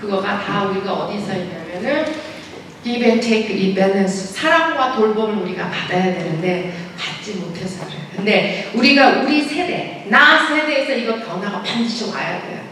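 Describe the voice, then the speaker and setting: A woman's voice: medium pitch, lively intonation, moderate pace, a bit bright, slight background noise. A woman speaking as a guest pastoral counselor at a church lecture, chatty, acting out quoted voices and asking the audience questions. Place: large church sanctuary. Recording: echoey hall, voice from a distance.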